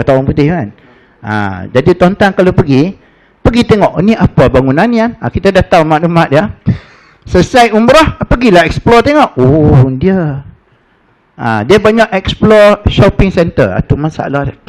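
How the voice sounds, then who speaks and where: A man with a Malaysian Malay accent, teaching a Hajj preparation class in a lively storytelling way, dropping in frequent "ha" fillers. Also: a little high. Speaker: religious teacher. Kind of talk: Hajj course lecture.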